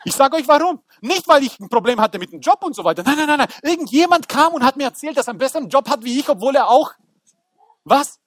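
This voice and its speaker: A man's voice: very high voice, fast talker, hardly any pauses, no echo. A man preaching a casual, slangy sermon and telling stories with acted-out voices, talking straight to his listeners. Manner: animated storytelling with acted-out voices; informal, slangy, talks to the listeners directly.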